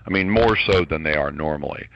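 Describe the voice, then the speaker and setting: A man's voice: a bass voice, a little fast, lo-fi sound. A man talking as a radio guest in a combative, indignant, punchy way. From born in Taiwan to American parents. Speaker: talk radio host, guest. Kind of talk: radio talk interview. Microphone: studio microphone.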